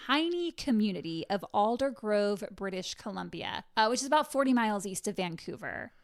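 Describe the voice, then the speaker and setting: A young woman co-hosting a true crime podcast, telling the story in a relaxed, chatty way with plenty of fillers. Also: medium pitch, normal speed. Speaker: podcast co-host.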